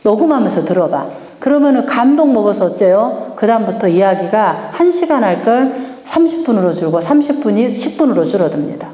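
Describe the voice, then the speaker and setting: A woman's voice: high voice, a little mellow. A middle-aged woman giving a lecture on family communication, questioning the audience and acting out sample lines. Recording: echoey hall with long reverb.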